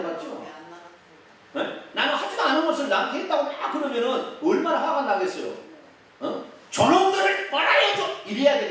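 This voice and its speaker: A man, a pastor, preaching an expository sermon with animated delivery, asking the congregation questions and acting out quotes. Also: high voice. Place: church sanctuary. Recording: echoey church hall, mic at a distance.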